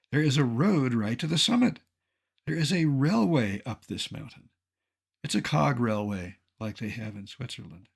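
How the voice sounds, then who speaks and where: A man in his seventies from Colorado, a naturalist giving an illustrated lecture with dry, wry humor and a measured delivery. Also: mid-range voice, vocal fry, slightly rough. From Colorado, United States. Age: 70s.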